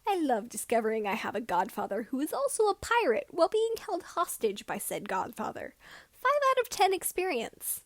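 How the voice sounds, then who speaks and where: An earnest young space pilot read by a woman, cheeky and a little bewildered. The voice is fairly high and closely recorded with little room sound, in audiobook style. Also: wildly swooping pitch, moderate pace, no echo, exaggerated voice. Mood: wry, cheeky.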